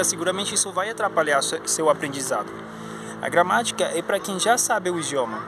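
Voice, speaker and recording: A man gives a relaxed, chatty lesson, encouraging and full of little fillers. His voice sits a bit high for a man. Steady street noise runs under the whole recording. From Spanish-speaking country. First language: Spanish. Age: 30s. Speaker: language teacher and channel host. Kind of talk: casual video lesson.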